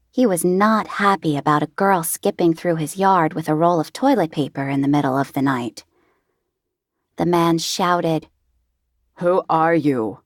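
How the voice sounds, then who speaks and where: Female audiobook narrator, measured and even, very unhurried, dry close-miked booth sound. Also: lowish voice, dry recording. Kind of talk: scripted first-person audiobook narration.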